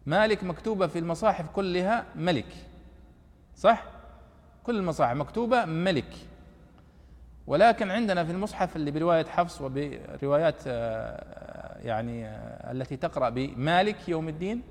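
A man's voice: a little high, expressive, a little fast, long reverb tail. A middle-aged man giving a lesson on Quranic exegesis, explaining patiently and often checking that his listeners follow. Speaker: teacher. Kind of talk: classroom commentary on Quranic exegesis.

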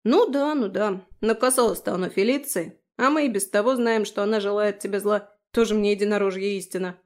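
A woman's voice: medium pitch, a little fast, natural voice. A woman voicing a cheeky, fussy male fairy who teases and scolds, in a fantasy audiobook. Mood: teasing. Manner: teasing, scolding.

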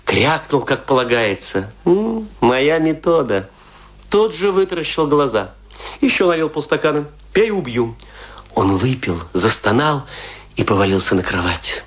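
Boastful old-school stage tragedian for radio drama, scornful, pitch jumps all over, hammy pauses. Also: male voice, very animated. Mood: boastful relish. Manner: theatrical, emphatic, with pointed pauses. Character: boastful provincial tragic actor, theatrical, scornful storyteller. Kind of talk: dramatic radio play monologue.

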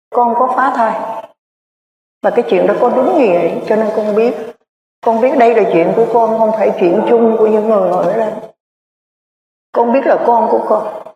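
A Buddhist nun, telling a story in a rambling sermon full of filler words. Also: female voice, on the high side, warm tone. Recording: echoey hall, distant mic.

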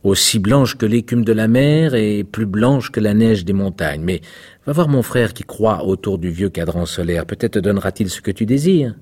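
A man voicing a proud white rosebush in a slow, grand, declaiming manner. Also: fairly low pitch, expressive, a little mellow, voice pushed up. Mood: lofty.

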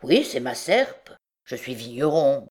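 A dazed, dim-witted vagabond man, mumbling short blunt replies, as a woman reads him. Low and slow, with no polish. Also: sing-song, a little mellow, husky, exaggerated voice.

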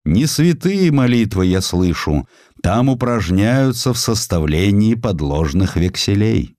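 A shrewd, grandiloquent lawyer of old Russia, acted out by a male narrator for an audio drama. His deep voice swings widely in pitch as he declaims bluntly and rhetorically, in a close, dry sound. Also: big pitch swings, unhurried, a little mellow, dry recording. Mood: solemn denunciation.

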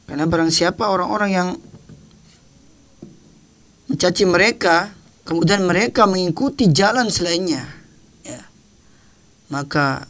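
A man teaching religion on the radio, speaking in short halting phrases with frequent tag words. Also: on the high side, fairly bright tone. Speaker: Islamic teacher.

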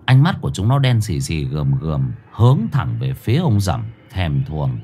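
A man narrating a ghost story in a dramatic manner, slowing down for suspense. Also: a bass voice, sing-song, dark tone, soft background music.

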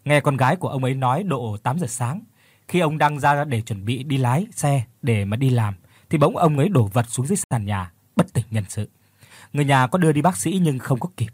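A man's voice: mid-range voice, expressive, a little mellow, slightly rough, dry recording. A man voicing a chatty, gossipy male bystander who tells the news in a rush. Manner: chatty, rushed.

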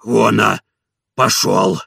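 A stubborn old manservant put on by a male narrator, grumbling and evasive in a deeply gravelly, husky voice. The tone is bright and hard-edged. He sounds set back from the mic in a dry recording. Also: steady tone, very slow, dry recording, exaggerated voice. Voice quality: gravelly, hoarse.

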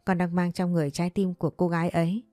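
A woman's voice: fairly low pitch, flat delivery, fast, warm tone, no room sound, close to an everyday voice. A woman voicing an earnest young man of twenty-seven who is haunted by a ghost, in a spoken ghost story.

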